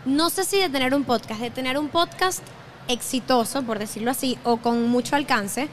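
A woman's voice: high voice, normal speed, a little hiss or hum. A young woman with a Venezuelan accent, a podcast guest talking casually and often restarting her sentences. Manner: chatty, self-correcting, laughs easily. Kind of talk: casual interview chat.

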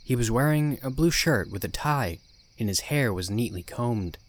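A man narrating a first-person horror story as the podcast's narrator, in a calm, even telling. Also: mid-range voice, normal speed.

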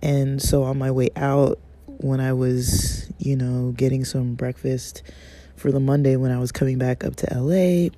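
A man hosting a casual morning podcast, raspy from just waking up, rambling with lots of fillers. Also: medium pitch, level tone, measured pace, mellow. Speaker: podcast host.

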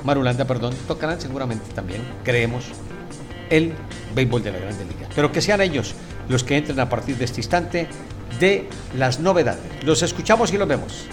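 A man's voice: mid-range voice, animated, normal speed. A man presenting a sports radio segment, handing over with formal, friendly patter. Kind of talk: broadcast sports segment link. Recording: clear music bed underneath.

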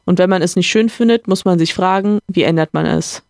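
A podcaster reading a novel aloud, voicing a calm, reflective gentleman who lectures his friend in a slightly raised voice. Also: medium pitch, fairly quick, no room sound, clean studio sound, lightly acted. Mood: earnest lecturing.

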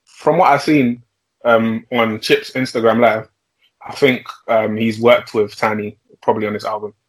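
A man's voice: lowish voice, steady tone, moderate pace, no echo, rough recording. A young man with a London roadman accent, chatting bluntly in street slang as a podcast co-host and often repeating his phrases. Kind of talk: casual music podcast chat.

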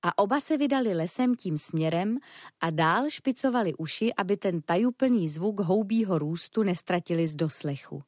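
A woman narrating a children's storybook in a calm, even storytelling manner. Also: on the low side, no room sound, studio quality.

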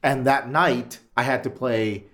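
A man's voice: medium pitch, a little slow, a crowd in the background. A young man who is a musician, talking casually in a rambling, laid-back way with frequent restarts. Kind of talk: casual chat.

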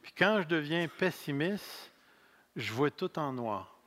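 A man in his sixties with a Québécois accent, preaching a sermon as pastor. He speaks deliberately, repeats key phrases and jokes about himself. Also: on the high side, lively intonation, a bit bright. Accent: Québécois French. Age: 60s. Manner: slow, deliberate preaching with repeated phrases and self-mocking humor.

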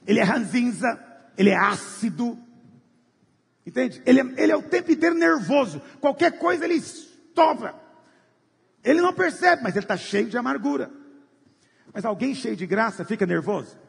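A man preaching a sermon with passion, swinging between shouts and low, hushed lines. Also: expressive, normal speed, creaky, pauses often, slightly rough, in a large hall. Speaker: pastor.

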